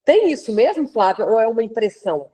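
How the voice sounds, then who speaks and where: Mellow woman asking winding questions. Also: fairly high pitch, sing-song, fairly quick, rough recording. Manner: hesitant, restarts, winding questions. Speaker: interviewer. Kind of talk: casual interview chat.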